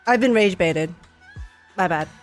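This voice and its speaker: A woman streamer giving animated, dramatic live reactions to a game, exclaiming as she goes, with game music behind her. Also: on the low side, a little slow. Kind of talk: live reaction commentary, reading game text aloud. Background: video game music.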